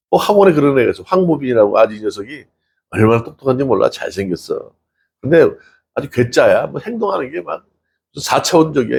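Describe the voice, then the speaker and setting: Gravelly middle-aged male pastor, chatty sermon. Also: medium pitch, a little mellow. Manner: chatty, asks the congregation questions, laughs often, acts out quotes. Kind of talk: conversational sermon.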